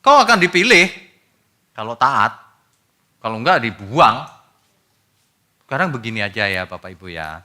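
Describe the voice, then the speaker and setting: A man preaching a sermon as a pastor, talking casually and addressing the congregation directly, with loud emphatic bursts that drop to quiet asides. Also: medium pitch, very animated, a little slow, long pauses.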